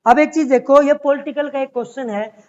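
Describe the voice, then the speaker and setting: A man's voice: very high voice, fairly even intonation, brisk, darkish tone, muffled recording. A man teaching an exam-prep language class, explaining step by step and repeatedly calling his students "beta".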